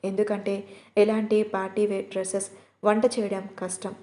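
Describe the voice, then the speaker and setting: Firm young wife, stern with family, gentle with husband, mellow voice, read by a woman narrator, audio storybook. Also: mid-range voice, flat delivery, moderate pace, natural voice. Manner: stern, then soothing.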